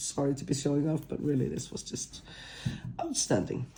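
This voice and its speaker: Her voice has a dark, mellow tone and sounds somewhat breathy. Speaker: crochet instructor. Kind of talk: tutorial. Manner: slow.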